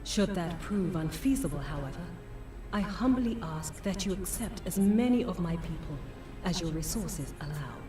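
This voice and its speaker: A woman playing a dignified, solemn noblewoman in a fantasy game, speaking formally and with measured courtesy. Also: fairly low pitch, lively intonation, lightly acted. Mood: grave, pleading. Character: dignified, solemn foreign noblewoman pleading for refugees. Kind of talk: scripted fantasy game acting. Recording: roomy, distant game audio under music.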